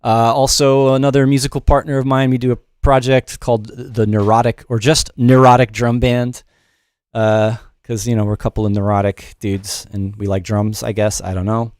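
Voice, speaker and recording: Brief: middle-aged male tutorial host, mid-range pitch, informal and rambling, self-deprecating, recorded dry. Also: little pitch movement, normal speed, darkish tone, clear, resonant tone, dry recording. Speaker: music production teacher and show host. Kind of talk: casual livestream tutorial.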